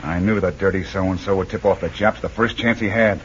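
An actor playing a commanding male jungle adventurer who leads a raid, giving brisk, clipped orders in 1940s radio style. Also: sits low, fairly even intonation, natural voice. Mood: steady. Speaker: squad leader. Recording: dull, hissy old radio recording.

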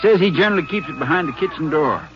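An actor playing a plain-spoken, helpful small-town Texas sheriff in a 1950s radio western. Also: male voice, sits high, huge pitch swings, quick pace, lo-fi sound, music in the background. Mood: matter-of-fact. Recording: noisy, band-limited 1950s radio recording.

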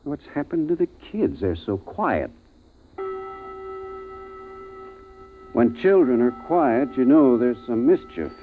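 A man's voice: medium pitch, very animated, moderate pace, faint music behind, close to an everyday voice. An actor playing a bewildered, alarmed father. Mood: brisk. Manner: exasperated, demanding. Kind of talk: 1950s radio drama acting. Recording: tinny old radio broadcast with loud hiss.

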